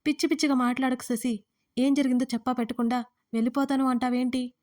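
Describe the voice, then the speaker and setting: A woman's voice: sits high, little pitch movement, quick pace, a little mellow, no echo, studio quality, natural voice. A woman voicing a bewildered older father who pleads and coaxes in a dramatic audio story. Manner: pleading, coaxing.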